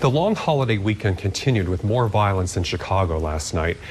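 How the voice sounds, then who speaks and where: Through noticeable background noise, a man with a fairly low pitch talks at a fairly quick pace with lively intonation. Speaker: news anchor. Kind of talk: TV news anchor read.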